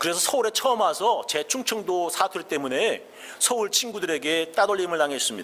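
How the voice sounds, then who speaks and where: Here a man talks at a fairly quick pace in a high pitch with lively intonation. Noticeable background noise runs behind him. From South Korea, Chungcheong province, then Seoul. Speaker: pastor. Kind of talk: sermon.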